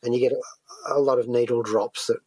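Man, slightly husky, enthusiastic radio host. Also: mid-range voice, fairly even intonation, a little fast, a little mellow, no room sound, low-quality recording. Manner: enthusiastic, discursive. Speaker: radio show host and reviewer. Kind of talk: conversational TV review chat. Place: dry radio studio.

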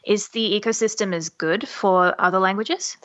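A woman's voice: medium pitch, moderate pace, a bit bright. A woman co-hosting an interview, asking curious questions and rephrasing them. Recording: muffled lo-fi audio.

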